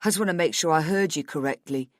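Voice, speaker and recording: Exasperated male boss, played by a female narrator, blunt and challenging, low register, audiobook drama, dry close sound. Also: fast, dry recording, close to an everyday voice. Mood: skeptical. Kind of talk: audiobook character dialogue.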